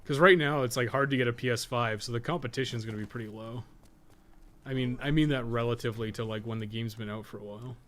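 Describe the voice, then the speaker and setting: A man's voice: mid-range voice, fairly even intonation, fast, fairly bright tone. A man streaming a game, thinking aloud and chatting in a casual, rambling way, muttering to himself and swearing now and then.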